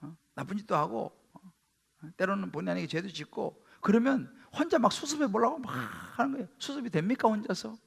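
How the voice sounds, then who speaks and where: A man, the senior pastor, preaching a Sunday sermon in a church sanctuary, swinging between loud exclamations and hushed asides. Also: sits high, expressive, brisk, creaky, husky.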